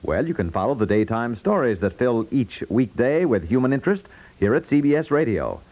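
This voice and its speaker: A man's voice: mid-range voice, a little mellow. Muffled vintage radio: American man as network announcer, upbeat, polished, very varied intonation. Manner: polished, upbeat sales delivery. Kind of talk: 1950s promotional announcement, scripted. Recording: muffled old radio recording.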